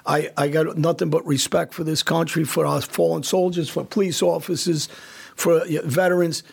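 A man's voice: a little high, steady tone, moderate pace, gravelly, breathy edge. A man hosting a podcast in casual chat, blunt and emphatic, often restarting his sentences. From United States. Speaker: podcast host.

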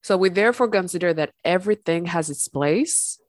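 A woman hosting a spiritual podcast, talking gently and calmly while congested from an illness. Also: lowish voice, brisk, dry recording, studio quality. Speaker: podcast host. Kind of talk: calm spiritual podcast talk.

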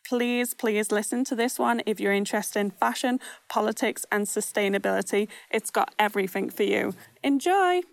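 A woman's voice: mid-range voice, moderate pace, creaky, few pauses, no room sound. A woman hosting a podcast interview in a bubbly, enthusiastic, encouraging way. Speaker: podcast host.

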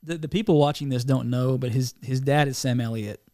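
A man guesting on a podcast as a filmmaker, chatting in an animated, self-deprecating way. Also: medium pitch, fairly quick, no echo. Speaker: film director guest. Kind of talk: casual chat.

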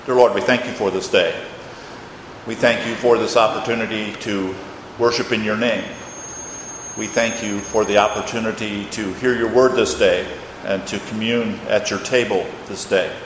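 A man's voice: fairly low pitch, fairly even intonation, normal speed. An older man, a retired pastor, praying and reading a sermon in a church with solemn, emphatic phrasing. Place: church, during a service. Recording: echoey hall, long reverb, faint noise.

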